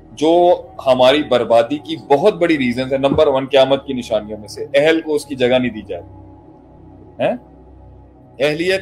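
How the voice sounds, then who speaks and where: Faint music plays behind a man whose pitch is fairly high. His loudness swings widely while his pitch moves in an ordinary way. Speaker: Islamic scholar. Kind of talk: religious lecture speech. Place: studio. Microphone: studio mic.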